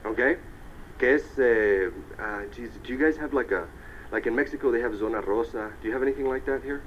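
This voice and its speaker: A man giving a lively motivational seminar talk, telling stories, asking his audience rhetorical questions and dropping English tags into his speech. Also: medium pitch, normal speed. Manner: animated storyteller who sprinkles English tags into his Spanish. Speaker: business trainer speaking to a seminar audience. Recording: dull 1990s cassette tape with faint hiss.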